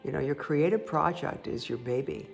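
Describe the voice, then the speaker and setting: A woman with a croaky voice giving a casual, chatty tarot card reading that speaks directly to the listener. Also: low-pitched, normal speed. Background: background music.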